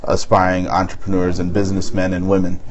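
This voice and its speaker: A young man with a bass voice, talking as a guest on a livestream in an earnest, halting way with many fillers. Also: completely flat delivery. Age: young adult. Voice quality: bass in his voice. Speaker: guest, insurance agent. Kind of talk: casual interview talk.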